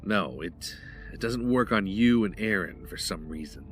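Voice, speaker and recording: A man's voice: sits low, animated, unhurried, faint music behind. An actor playing an agitated, frightened young man in an audio drama, speaking urgently and earnestly. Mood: uneasy confession. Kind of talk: full-cast audio drama acting.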